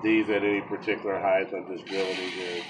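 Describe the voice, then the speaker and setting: A man's voice: sits low, level tone, a little fast. A man in his thirties casually talking through a woodworking project as he drills and screws in his garage. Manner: offhand, talks to himself while drilling. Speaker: DIY video host. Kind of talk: casual how-to narration while working. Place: home garage and driveway, outdoors. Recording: noisy outdoor camera audio.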